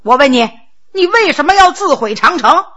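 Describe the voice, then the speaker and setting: A woman's voice: high-pitched, animated, moderate pace, sharp tone. A woman storyteller voicing a younger Qing prince, a grinning schemer who teases and mocks his elder brother. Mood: teasing. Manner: brash, teasing and mocking.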